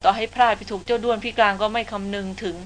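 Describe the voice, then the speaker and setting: A woman's voice: mid-range voice, steady tone, fairly quick, a bit bright, a little hiss or hum, close to an everyday voice. A woman reading the lines of a spirited young woman who speaks firmly and reproachfully, in an audiobook novel. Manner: firm, reproachful talk. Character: spirited young woman, sharp-tongued and caring.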